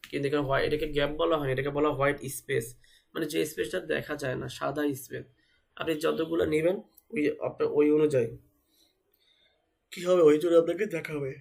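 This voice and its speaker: Man, web development teacher, feverish, flat-toned, rapid. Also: fairly high pitch, vocal fry. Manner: explains step by step, repeats words and spells them out. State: speaking slowly because of fever. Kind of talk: live online coding class.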